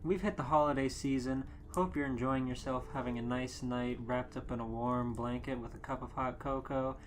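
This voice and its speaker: A man's voice: mid-range voice, steady tone, moderate pace. A man hosting a comedic group podcast, talking in a playful, mock-grandiose way. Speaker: podcast host. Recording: music behind the voice. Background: music.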